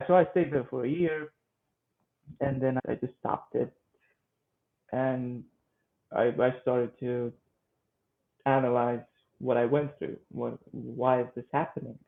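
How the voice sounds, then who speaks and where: A man in his twenties from Romania with a Romanian accent, answering interview questions conversationally in a halting way, often repeating words. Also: mid-range voice, fairly even intonation, gravelly. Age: 20s. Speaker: guest, vocal coach and singer-songwriter. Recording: thin phone-like line.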